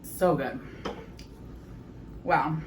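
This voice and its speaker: A woman in her thirties chatting casually in her home kitchen as she tastes her food, often pausing to savor it with soft hums. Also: low voice, a little hiss or hum, low-quality recording. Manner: chatty, savoring bites with frequent mm sounds. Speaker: home cooking vlogger. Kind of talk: casual chat while tasting food.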